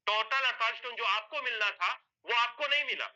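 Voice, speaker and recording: A man's voice: extremely high pitch, brisk, bright, forceful tone. A man walking listeners through an explanation on a whiteboard, step by step, repeating points, asking himself questions and answering them, and calling his listeners sir and brother. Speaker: presenter explaining an earning plan. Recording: dull lo-fi recording.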